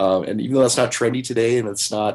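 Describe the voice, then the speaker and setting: His pitch sits in the medium range. This man speaks at a very fast pace. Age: 40s. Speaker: podcast co-host and bodybuilder. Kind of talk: casual chat. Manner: casual, swears often.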